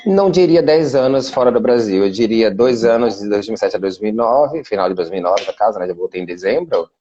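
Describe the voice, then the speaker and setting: Low dark-voiced Brazilian man, lo-fi. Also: expressive, a little fast. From Brazil (Salvador, Bahia). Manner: explanatory, many fillers like "né". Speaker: guest, international relations specialist. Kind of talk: casual video interview. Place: Portugal.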